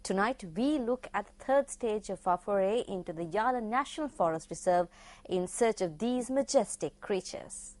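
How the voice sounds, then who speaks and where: A woman's voice: mid-range voice, animated, normal speed, darkish tone, no echo. A woman presenting a scripted introduction as a television news anchor.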